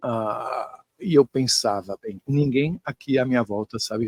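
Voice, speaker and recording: Recorded dry and close with no echo, a man talks at a fairly slow pace with ordinary pitch variation. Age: 60s. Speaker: physicist and near-death experience researcher. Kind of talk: interview testimony. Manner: halting, with fillers and self-corrections.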